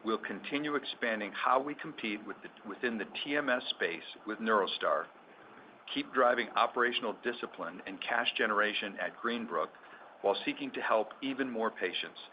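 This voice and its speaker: A man speaking as a chief executive delivers formal, measured, scripted remarks on an earnings call. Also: on the low side. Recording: dull conference audio with background noise.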